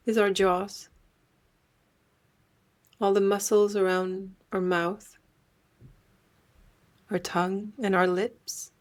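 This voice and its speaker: A woman leading a guided meditation in a gentle, unhurried way, leaving long pauses. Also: mid-range voice.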